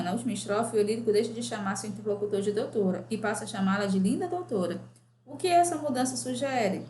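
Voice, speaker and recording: A woman's voice: a little high, darkish tone. A woman teacher correcting grammar exercises for a class, reading questions aloud and often checking in with "né?". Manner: reads exercises aloud, asks the class, frequent "né?". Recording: echoey room with faint ambient noise.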